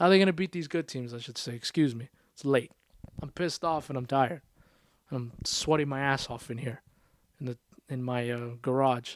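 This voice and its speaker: Dry and close with no echo, a man talks at a fairly quick pace with medium pitch, ordinary pitch variation, long, frequent pauses and big swings in loudness. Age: 20s. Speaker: sports fan commentator. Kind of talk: casual rant. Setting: home garage.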